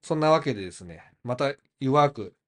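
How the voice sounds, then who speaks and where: A middle-aged man hosting a casual chat, jokey and full of quick asides. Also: medium pitch, animated. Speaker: podcast host, publisher.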